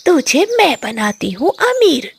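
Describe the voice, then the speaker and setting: A woman's voice: sits high, sing-song, unhurried, vocal fry, full character voice. A woman voicing a fierce, angry female eagle aunt in a cartoon. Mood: furious.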